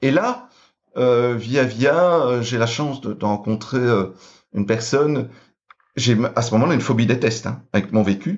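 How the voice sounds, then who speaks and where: Speaking with a slight Belgian accent, a man uses a medium pitch and ordinary pitch variation at a fairly slow pace, with long, frequent pauses. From Belgium. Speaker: financier, former banker. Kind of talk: podcast interview answer.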